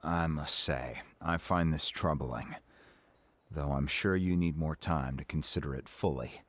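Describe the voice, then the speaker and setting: An actor playing a dignified tribal chief in a video game, speaking formally and gravely with measured courtesy. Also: male voice, a bass voice. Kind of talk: video game character acting. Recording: faint music behind.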